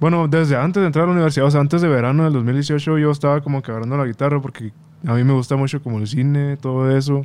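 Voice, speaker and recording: Speaking at a very fast pace, a man with a dark, mellow tone and a fairly high pitch keeps his intonation fairly even. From Mexico, Chihuahua (Meoqui). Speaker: singer-songwriter. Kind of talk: casual chat.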